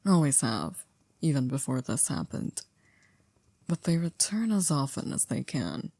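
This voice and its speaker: Casting: woman as unflappable formal servant of a vampire house, very low mellow voice, dry ASMR delivery. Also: big pitch swings, dry recording, exaggerated voice. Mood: matter-of-fact. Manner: polite, measured, gently wry. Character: composed, formal, dryly teasing female household servant. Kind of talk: ASMR roleplay acting.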